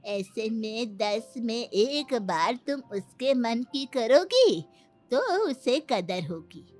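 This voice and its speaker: An old woman speaking slowly and plainly, full of practical advice, voiced by a woman. Her voice sits a little high but moves a lot, and gentle music plays under it. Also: big pitch swings, full character voice. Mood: advising. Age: older. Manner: slow, matter-of-fact, advising.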